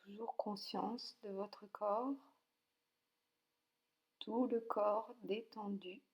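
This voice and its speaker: A woman leading a guided yoga nidra relaxation, speaking calmly and softly with long pauses between short instructions. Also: medium pitch. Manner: calm, soothing, with long pauses.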